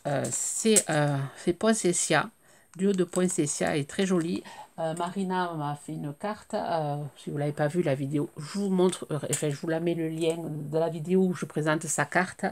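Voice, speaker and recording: A French woman with a slightly hoarse voice, chatting casually and hesitantly about her crafting purchases, full of fillers and restarts. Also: sits low, a little mellow, a little hiss or hum. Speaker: crafting YouTuber. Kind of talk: casual haul show-and-tell.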